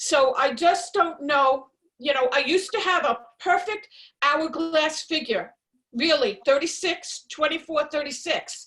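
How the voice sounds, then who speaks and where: At a fairly slow pace, a woman speaks in a high, bright, sharp voice with ordinary pitch variation. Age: 60s. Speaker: participant. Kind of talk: casual chat.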